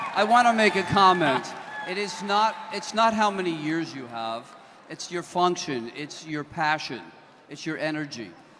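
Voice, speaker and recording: A man's high-pitched voice with an American accent, lively intonation and big swings in loudness at a moderate pace, amid audible room echo and noticeable background noise. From United States. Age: 60s. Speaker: doctor on a product science panel. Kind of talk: stage panel discussion.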